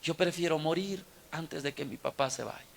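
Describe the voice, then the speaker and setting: A man's voice: fairly high pitch, moderate pace, creaky. A man voicing a pleading teenage girl. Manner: pleading, emotional quoting.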